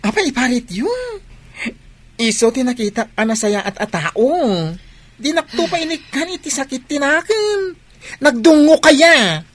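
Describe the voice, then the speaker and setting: A man's voice: very high voice, sing-song, measured pace, fairly bright tone, no echo, exaggerated voice. A man playing an effeminate, flamboyant gay son with an Ilocano accent in a comedy radio drama, given to campy exclamations. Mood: defensive.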